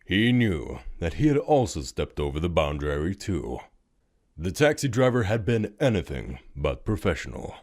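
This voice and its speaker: Deep-voiced, expressive male narrator. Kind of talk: scripted story narration.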